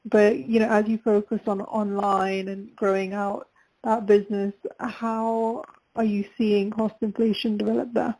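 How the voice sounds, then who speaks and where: A woman's voice: medium pitch, level tone, a little slow, mellow, low-quality recording. A woman analyst asking questions on a conference call in a fluent, informal way. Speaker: financial analyst.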